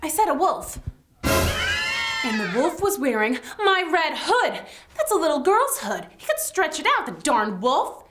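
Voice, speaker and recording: Female story-time host, very animated delivery, exclamatory and playful, over a music bed. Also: high-pitched, unhurried.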